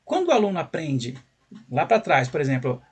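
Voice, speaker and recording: A man's voice: fairly high pitch, wildly swooping pitch, brisk, slightly rough. A man with a Brazilian Portuguese accent teaching English in a video lesson, speaking conversationally and asking frequent rhetorical questions with a tag "né".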